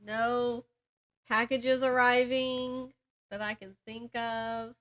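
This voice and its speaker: A woman co-hosting a podcast in casual chat, giggly and expressive in how she reacts to her friend. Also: on the high side, slow. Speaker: podcast co-host.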